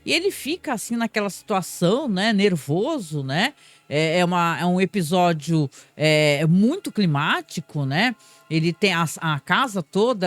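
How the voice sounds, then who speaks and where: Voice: medium pitch, no echo. A speaker with a Brazilian Portuguese accent casually recapping a TV episode, tagging phrases with "né?" and acting out the characters' lines. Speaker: film and TV reviewer.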